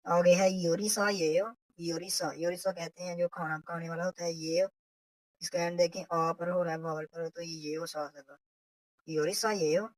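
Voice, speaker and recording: Woman teaching slowly from a textbook. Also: lowish voice, fairly even intonation, dry recording, rough recording. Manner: slow, step-by-step explanation, repeats example phrases. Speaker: Korean language teacher. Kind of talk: recorded lesson explaining a textbook.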